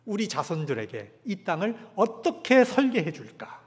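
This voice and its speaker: A male pastor preaching a sermon, emphatic, swinging from loud peaks to hushed drops. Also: sits high, big pitch swings, normal speed. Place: church sanctuary. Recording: long church hall reverb.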